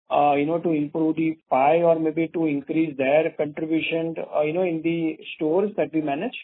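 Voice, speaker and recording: A man with an Indian accent politely asking wordy, deferential questions as an analyst on an earnings call. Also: on the high side. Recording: narrow, phone-like call audio.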